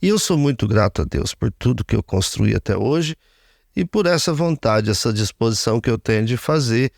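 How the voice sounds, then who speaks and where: A man's voice: medium pitch, lively intonation, moderate pace, creaky, darkish tone, no echo, clean studio sound. A man in his fifties, a radio broadcaster, giving an earnest interview testimony and speaking often of his faith. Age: 50s.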